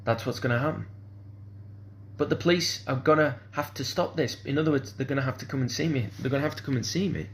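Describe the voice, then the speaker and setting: Man, middle pitch, gravelly; hesitant rambling monologue with constant restarts. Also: fast, slight background noise. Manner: hesitant, repeats "kind of sort of", restarts often.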